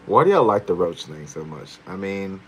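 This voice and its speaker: A very low-voiced man chats casually on a live stream, answering viewers' questions. He keeps it playful and chuckles often. Faint hiss sits behind his voice. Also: a bit bright, rough recording. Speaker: tarot reader, live stream host.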